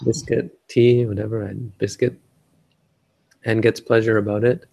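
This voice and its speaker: Low gravelly man, flat delivery. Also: measured pace. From Canada. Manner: rambling, searching for words, many restarts. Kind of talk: casual talk on a live stream. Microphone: live stream setup.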